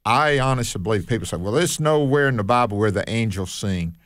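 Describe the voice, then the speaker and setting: Male pastor on radio, earnest, self-deprecating, lowish voice, dry sound. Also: expressive, a little fast, no echo. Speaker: radio show regular and pastor. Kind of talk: casual radio chat.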